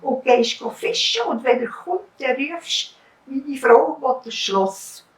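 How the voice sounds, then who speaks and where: A woman's voice: high-pitched, slow, far from the mic, voice pushed up. A greedy, bossy fisherman's wife nags and orders her husband about, played by a Swiss German woman storyteller. The voice carries a roomy echo and is heard from a little way off. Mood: demanding. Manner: bossy and nagging.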